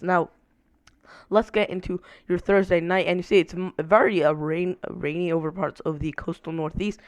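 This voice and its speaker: Young guy, sick and raspy, casual weather forecast, filler-heavy, dry close recording. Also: on the high side, no room sound. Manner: many "uh" fillers while walking through maps.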